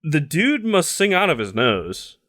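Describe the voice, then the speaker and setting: A man's voice: a little high, sing-song, unhurried, pushed and bright. A young man co-hosting a podcast in casual chat, giving blunt opinions peppered with "like" and swearing. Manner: blunt, heavy use of "like", swears freely. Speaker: podcast co-host.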